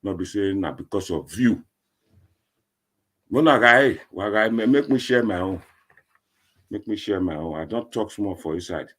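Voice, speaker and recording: Male online commentator, deep and rough-voiced, Nigerian accent and Pidgin, informal, emphatic, repetitive delivery. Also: expressive, moderate pace, long pauses, a bit bright. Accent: Nigerian, speaking Nigerian Pidgin.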